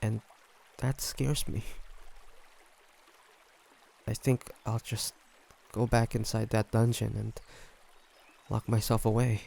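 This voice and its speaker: A man voicing a brooding, gentle ancient vampire in an intimate audio roleplay, speaking haltingly and pensively. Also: on the low side, level tone, creaky, exaggerated voice. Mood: fearful, resigned. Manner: halting, soft-spoken, pensive with sighs.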